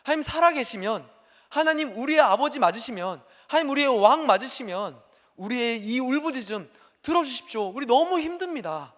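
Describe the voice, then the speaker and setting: A man's voice: very high voice, expressive, fairly quick, a bit bright, voice pushed up. A man voicing a desperate oppressed people crying out to God, pleading and repeating each cry. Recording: long hall reverb.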